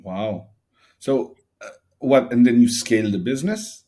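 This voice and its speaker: A man's voice: medium pitch, lively intonation, unhurried, dark tone. A man hosting a podcast, asking questions in a casual, chatty interview style.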